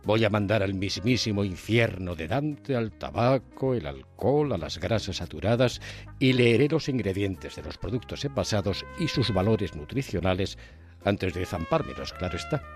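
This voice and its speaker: A man reads a scripted radio column with dry, ironic humor. His voice is very deep yet swings widely in pitch, with faint music underneath. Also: animated, normal speed. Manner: ironic, wry, dryly humorous. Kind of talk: scripted opinion column read on air.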